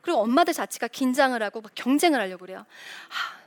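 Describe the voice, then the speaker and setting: A middle-aged woman, once a reporter, gives a lively faith-based talk full of rhetorical questions. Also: on the high side, very fast. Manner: animated, acts out quoted voices. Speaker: Christian speaker, former reporter.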